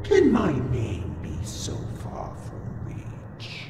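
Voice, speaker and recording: A woman's voice: sits low, huge pitch swings, drawn-out words, creaky, exaggerated voice. A woman voicing a gloating demon in a corpse's body, theatrical and menacing. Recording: echoey with loud noise behind.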